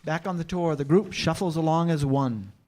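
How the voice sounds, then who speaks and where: Higher-pitched man narrating a screenplay. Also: moderate pace, dark tone. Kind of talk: reading screenplay stage directions.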